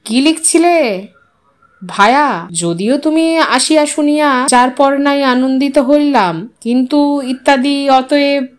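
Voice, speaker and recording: A woman's voice: high-pitched, takes it slowly. A woman voicing a well-off, playful younger man who banters with mock formality in an audio story. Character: well-off, breezy, teasing younger male relative.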